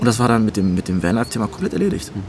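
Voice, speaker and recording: A man speaks with music in the background. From Kazakhstan, Russian family. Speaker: van life podcast guest, entrepreneur. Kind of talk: casual interview chat.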